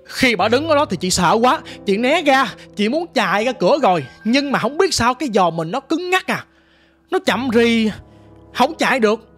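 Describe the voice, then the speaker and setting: A woman's voice: a little high, sing-song, normal speed, breathy edge, faint music behind. A woman with a Southern Vietnamese accent telling her ghost story in a vivid, dramatic, casual way, talking straight to the listener. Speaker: storyteller guest.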